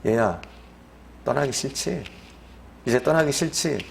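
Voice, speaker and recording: Pastor voicing the Lord, gently coaxing. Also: male voice, mid-range voice, expressive, measured pace, creaky, a little hiss or hum. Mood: tender, coaxing. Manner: tender, coaxing, like speaking to a child. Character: the Lord, a gentle fatherly male voice. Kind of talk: acted quote within a sermon.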